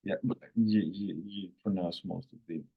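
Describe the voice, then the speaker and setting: A man who is a native Finnish speaker, hosting a casual online language lesson in an unhurried, rambling way with self-corrections. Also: low voice, fairly even intonation, creaky, slightly rough, phone-quality sound. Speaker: language course host.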